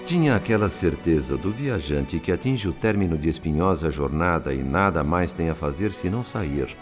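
Um ator interpretando um espírito médico compassivo que narra suas memórias em radionovela, de modo solene e expressivo. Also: male voice, low-pitched. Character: compassionate male spirit physician narrating his memories. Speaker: narrator and character. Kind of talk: dramatic radio drama narration.

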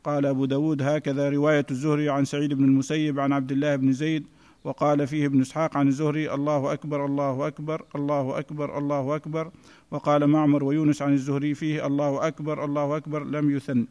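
Fast, flat-toned man reading aloud. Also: on the high side. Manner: steady recitation in a level chant. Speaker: student reading the text aloud. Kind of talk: reading a classical text aloud. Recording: echoey hall.

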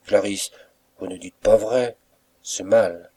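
A man reading an audiobook, voicing a mysterious young suitor who speaks gently and respectfully, with soft reproach. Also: on the low side, fairly even intonation, slow, breathy edge. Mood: tender.

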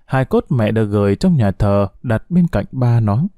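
A man narrates a heartfelt, sorrowful story, his voice moving freely up and down. The tone is dark and mellow. It sounds close and dry. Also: on the low side, no room sound. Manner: slow, expressive, heartfelt.

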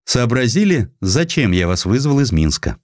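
A man's voice: medium pitch, sing-song, normal speed, no echo, clean studio sound, voice pushed up, natural voice. A man playing a commanding, bluntly critical older Russian emperor in a dramatized audiobook.

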